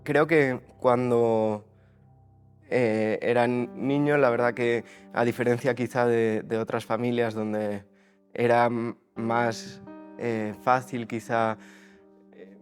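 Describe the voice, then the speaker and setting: A man's voice: mid-range voice, little pitch movement, slow, faint music behind. A man in his twenties from Spain's Basque Country, giving a testimony in an interview and often stopping to restart his words. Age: 20s. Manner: hesitant, many restarts and fillers.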